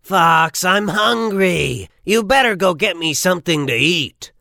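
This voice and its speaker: Gruff greedy cartoon wolf, super gravelly, bright edge, talks slow and bossy. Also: mid-range voice, lively intonation, dry recording, studio quality, heavily acted. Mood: bossy threat. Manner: gruff, threatening, gobbling and boasting. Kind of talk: children's cartoon story acting.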